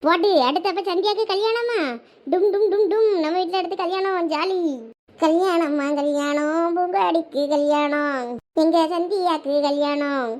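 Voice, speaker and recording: A woman plays a cheeky cartoon girl, very high-voiced and gleeful. She teases in a playful singsong with a Thoothukudi Tamil accent. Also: fairly even intonation, normal speed. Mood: gleeful teasing. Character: gleeful, teasing girl chanting about a family wedding. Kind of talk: cartoon village drama dialogue.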